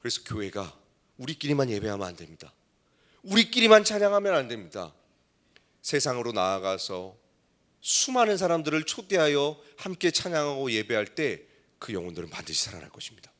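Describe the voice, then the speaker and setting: A middle-aged male pastor preaching a sermon, telling a story and swinging between hushed asides and loud exclamations. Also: mid-range voice, sing-song, a little fast.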